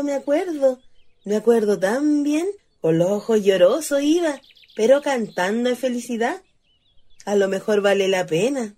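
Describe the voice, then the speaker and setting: A woman's voice: medium pitch, dark tone. An actress playing a young rural Chilean ghost girl in a radio play, wistful and cheeky, with a dreamy girlish manner. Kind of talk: radio theatre acting.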